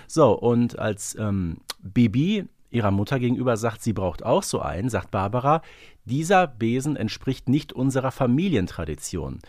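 A man's voice: mid-range voice, expressive, moderate pace, darkish tone, no echo. Man chatting in a dry, close recording. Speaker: podcast co-host. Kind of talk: casual conversational analysis.

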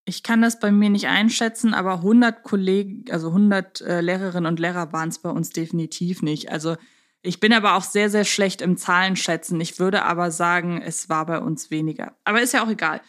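A woman's voice: lowish voice, steady tone, fairly quick, a bit bright. Woman chatting casually. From Hamburg, Germany. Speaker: podcast co-host. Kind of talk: casual podcast chat.

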